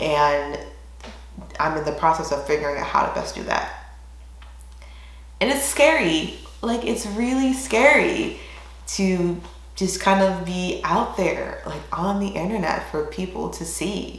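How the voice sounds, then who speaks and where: Audible room echo and noticeable background noise surround speech that moves at a fairly slow pace with long, frequent pauses. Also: woman. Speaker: therapist and spiritual coach. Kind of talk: casual vlog monologue. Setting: home video recording to camera. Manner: halting, backtracks, many ums and likes.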